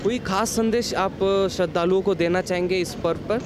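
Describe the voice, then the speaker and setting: A man's voice: high voice, steady tone, normal speed. A male reporter asking questions on a city street, hesitant with fillers and restarts. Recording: street traffic noise.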